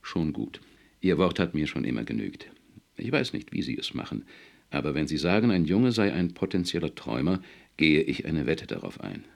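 A man's voice: a bass voice, sing-song, moderate pace, gravelly, darkish tone, exaggerated voice. A man voicing an older, white-haired company boss who sounds businesslike and then coaxing with a child. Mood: brisk.

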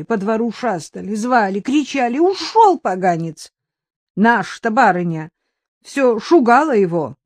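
A woman's voice: on the high side, a little mellow, dry recording, clean studio sound, voice pushed up. A woman voicing a grumbling old peasant housekeeper with folksy, scolding speech, in a storybook reading.

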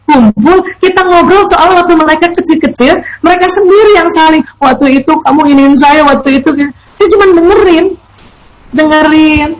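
Middle-aged woman, religious parenting speaker, high and lively, animated storyteller. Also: poor audio. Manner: animated, acts out parent and child dialogue. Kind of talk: religious talk answering a question.

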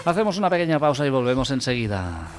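Man, radio comedy host, brisk joke telling, music playing behind. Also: medium pitch, sing-song. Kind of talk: telling jokes and reading odd news on radio. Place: radio studio.

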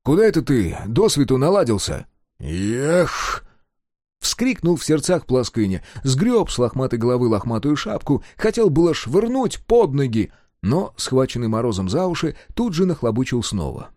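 A man's voice: medium pitch, normal speed, dry recording, clean studio sound. A man reading a folk-tale style novel aloud as scripted audiobook narration, also reading out footnotes. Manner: lively storytelling, reads out footnotes. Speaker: audiobook reader.

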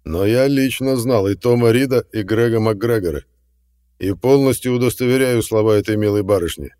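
A man voicing a calm, courteous older man in an audiobook, giving measured warnings. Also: on the low side, no echo, clean studio sound, big-room sound, voice pushed up, natural voice. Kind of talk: audiobook reading.

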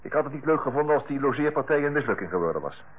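Eager, husky-voiced young nephew. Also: male voice, mid-range voice, sing-song, rapid-fire. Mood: relieved. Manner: enthusiastic, slangy. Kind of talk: old radio play acting. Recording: dull old radio recording.

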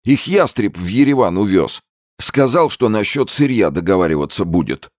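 A man voicing a terrified, wheezing middle-aged black-market boss with a hoarse, trembling voice in an audiobook. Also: lowish voice, sing-song, moderate pace, darkish tone, no room sound, studio quality, pitched above the performer's own voice. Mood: panicked.

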